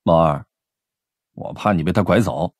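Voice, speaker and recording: A man's voice: deep voice, moderate pace, dry recording, clean studio sound. An actor playing a protective, jealous young male detective in an audiobook drama, intimate and brooding. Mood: jealous, worried.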